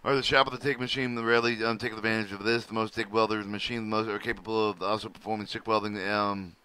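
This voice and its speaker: This is a screen recording of a man reading a welding manual aloud at his computer, tripping over words and frequently starting again. He talks fast in a lowish, pushed, bright voice with little pitch movement, and there's a little hiss or hum.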